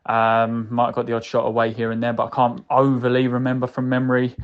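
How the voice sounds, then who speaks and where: A man's voice: medium pitch, monotone, fast talker. A man leaving a casual, rambling voice message of football reaction, addressing the listener directly. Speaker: fan calling in with a voicemail. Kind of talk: casual match reaction monologue. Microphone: recorded voicemail message. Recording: dull lo-fi voice message.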